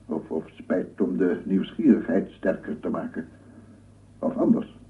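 A man's voice: low voice, expressive, measured pace. An actor playing an obsessive lone scientist in a radio play, cooing and murmuring repetitively as he does with his dog. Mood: brooding. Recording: echoey, distant, phone-like old radio recording.

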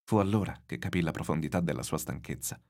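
A man reading a novel aloud in measured, expressive literary narration. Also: rumbling low, gravelly.

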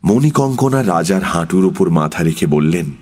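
A man narrating a historical story as an audiobook, measured and unhurried. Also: deep voice, expressive, a little mellow, slight background noise.

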